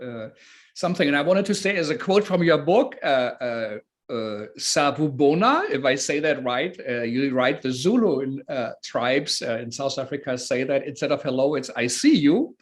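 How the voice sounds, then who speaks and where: A man with a medium-pitched voice hosts a conversational book talk. He speaks haltingly, often pausing and repeating words as he works toward his point. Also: expressive. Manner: halting, hesitant phrasing with frequent repeats. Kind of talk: interviewing, conversational introduction.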